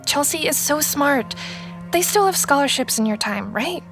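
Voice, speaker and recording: A sixteen-year-old girl in an audio drama, with a very high, youthful voice. She is earnest, idealistic and outspoken, pushing her point hard. Faint music sits behind her. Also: animated, moderate pace, fairly bright tone. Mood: pushy, dismayed. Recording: music under the voice.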